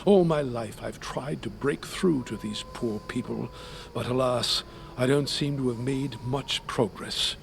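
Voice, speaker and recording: An actor voicing a devout, earnest man of faith in a video game, speaking in a formal, measured, preachy way. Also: medium pitch, gravelly, slight background noise. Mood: sorrowful, earnest. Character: devout, earnest man preaching an old rural hunting god. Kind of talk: scripted video game dialogue.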